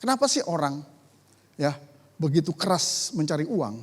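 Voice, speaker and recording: A man's voice: on the high side, big pitch swings, moderate pace, breathy edge. A man preaching a sermon as pastor, moving between conversational asides and emphatic declarations. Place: church sanctuary. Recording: church hall reverb.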